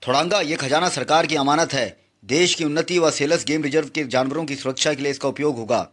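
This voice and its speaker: A man's voice: fairly high pitch, a little fast, fairly bright tone. A man voicing a brave young woman defying a villain in a comic book reading, scornful and defiant. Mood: stern.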